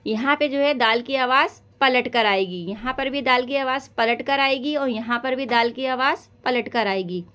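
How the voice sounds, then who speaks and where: Speaking at a moderate pace with few pauses, this young woman has a high, fairly bright voice and an Urdu-speaking South Asian accent. She's giving an online Quran recitation lesson, patiently explaining, frequently asking "theek hai," and stretching sounds out to show how they go.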